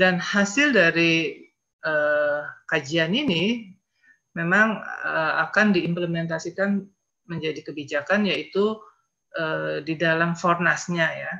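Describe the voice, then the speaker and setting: Over a quiet background, a woman talks at a very slow pace in a bright, sharp tone, her fairly low pitch varying in an ordinary way. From Indonesia. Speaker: health ministry official; presenter. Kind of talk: presentation. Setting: video call. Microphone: video call.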